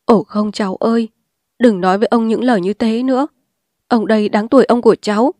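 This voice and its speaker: A woman voicing a remorseful old man who speaks softly, slowly and pleadingly. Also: on the high side, steady tone, no echo, studio quality, close to an everyday voice. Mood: pained. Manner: soft, slow and pleading.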